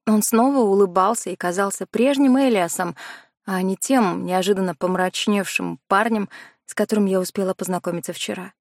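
A woman's voice: mid-range voice, normal speed, dry recording, studio quality. A woman narrating a first-person novel as an audiobook.

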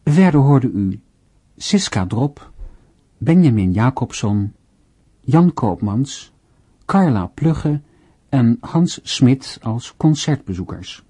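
A man formally reading scripted closing credits as the announcer of a radio drama, in a measured manner. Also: medium pitch, very animated, warm tone, breathy edge.

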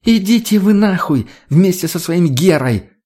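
A man voicing an irritable, sharp-tongued young woman who snaps and swears. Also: fairly high pitch, expressive, normal speed, slightly rough, voice pushed up. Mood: shouting. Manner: snapping, swearing.

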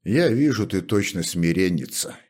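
A gruff, commanding old butler, as a male reader puts him on, issues orders in this storybook reading. His stern voice sits slightly raised and moves with lively inflection. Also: deep voice, normal speed. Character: stern, bossy older male house butler. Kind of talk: audiobook character reading.

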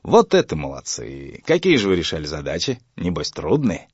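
A man's voice: a bass voice, huge pitch swings, moderate pace, slightly rough, no echo, muffled recording, pitched below the performer's own voice, exaggerated voice. A man reading a story, voicing a mild, puzzled old father questioning his son.

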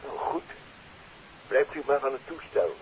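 A worried, middle-aged doctor in a 1950s radio play. His mid-pitched voice comes through thin and phone-like, with steady hiss behind it. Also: a little slow. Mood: concerned, doubtful. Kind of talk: 1950s radio drama acting. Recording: thin telephone-like, hissy 1950s radio recording.

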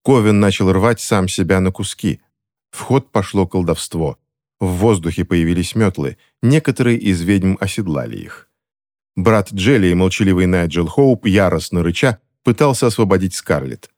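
A male narrator reading a fantasy novel aloud with a steady, dramatic delivery. His voice sits on the low side for a man. The reading is measured and even. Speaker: audiobook narrator. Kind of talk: scripted audiobook narration.

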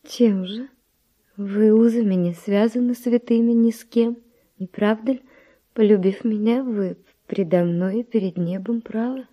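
An actress playing a virtuous young Spanish noble widow, with refined, breathy, emotional delivery in a verse radio drama. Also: female voice, medium pitch, a little slow, muffled recording, lightly acted. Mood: insistent curiosity.

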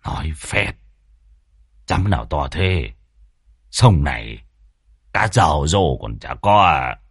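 A man voicing a grumpy bald old village man in a spoken ghost story, with a gruff, muttering manner. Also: a bass voice, animated, takes it slowly, a bit bright, dry recording, clean studio sound, pitched below the performer's own voice, heavily acted.

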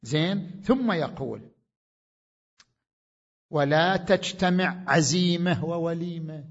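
A male preacher giving a sermon, speaking emphatically, rising to loud proclamations and asking his listeners questions. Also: fairly high pitch, takes it slowly, dull audio. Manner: asks the audience questions. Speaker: Shia preacher.

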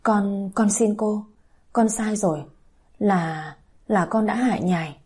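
A woman's voice: medium pitch, slow, darkish tone, slightly rough. A woman voicing a remorseful young woman, tearful and pleading. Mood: pleading, sobbing. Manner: tearful, pleading then bitter. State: crying.

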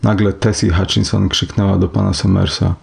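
A male narrator reads a short story aloud in a low, gravelly, husky voice. His delivery is measured and even, a steady audiobook telling.

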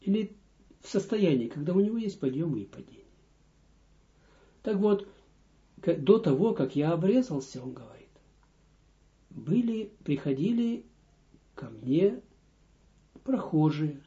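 A man teaches at an unhurried, deliberate pace, reading a line aloud and then unpacking it word by word. His voice is very dark and mellow, pitched a little higher than most men's, and it comes through a dull, muffled lo-fi recording. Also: big pitch swings. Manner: reads lines aloud, then explains them step by step. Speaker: rabbi teaching a text. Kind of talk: slow spoken Torah lesson. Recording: dull lo-fi audio lesson recording.

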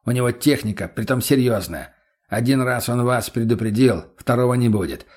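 A man's voice: medium pitch, a little mellow, close to an everyday voice. A man as a sardonic gypsy mercenary. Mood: dry. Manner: dry, blunt, unhurried. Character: cool, sardonic male Lovari gypsy mercenary.

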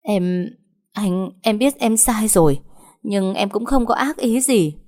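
A woman's voice: medium pitch, slow, darkish tone, pitched above the performer's own voice, close to an everyday voice. A woman voicing a desperate young wife who pleads and sobs for forgiveness. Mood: pleading, tearful. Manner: tearful begging.

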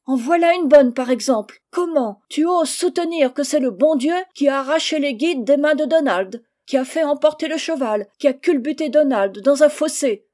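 A woman reading a novel aloud, voicing a loud, shrill farm wife who scolds and accuses. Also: moderate pace, hardly any pauses, lightly acted. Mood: scolding. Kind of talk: audiobook character reading.

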